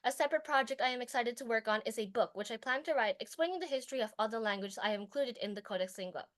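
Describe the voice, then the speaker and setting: A teenage girl presenting a student invention to a judging panel, delivering a prepared pitch and then answering questions with hesitant fillers. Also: rapid-fire. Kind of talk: competition pitch and Q&A.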